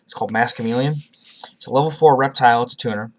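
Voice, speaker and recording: A man walks through a card game deck in loose, chatty talk, often stumbling and restarting his sentences. He has a cough and talks around a cough drop, at a middling pitch. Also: fast. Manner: rambling, frequent restarts and ums. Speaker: YouTuber presenting a card deck. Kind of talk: casual deck profile talk.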